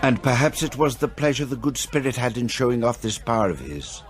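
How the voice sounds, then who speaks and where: A man's voice: mid-range voice, big pitch swings, fairly quick, lightly acted. A man narrating a radio drama as a theatrical storyteller, relishing each descriptive phrase.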